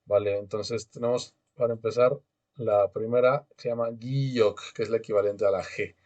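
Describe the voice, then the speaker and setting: A man's voice: on the low side, fairly even intonation, moderate pace, a little mellow, lo-fi sound. A man teaching a beginner language class online over a video call, patiently drilling pronunciation and having students repeat after him.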